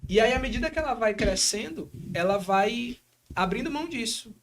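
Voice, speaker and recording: A man with a Brazilian accent from Espírito Santo, hosting a podcast in casual, animated chat full of slang fillers. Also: extremely high pitch, normal speed, a little hiss or hum. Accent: Espírito Santo Brazilian Portuguese. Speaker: podcast host.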